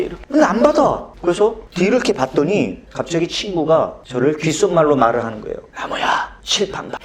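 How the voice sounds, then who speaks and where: A middle-aged man who works as a speech coach, telling a personal story as a lecture in a dramatic, animated way and often asking his audience questions. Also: high-pitched. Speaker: clinical psychology speech coach and speech instructor.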